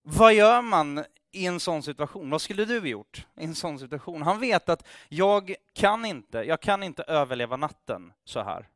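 A man's voice: a little high, sing-song, few pauses, fairly bright tone, no room sound, studio quality. Man telling a sermon story. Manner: conversational, with frequent restarts and acted dialogue. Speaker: preacher.

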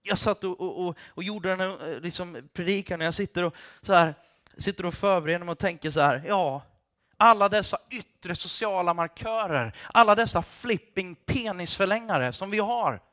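Male pastor, sermon, fervent, high voice, bright tone. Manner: passionate, shouting at times, mixes in English phrases.

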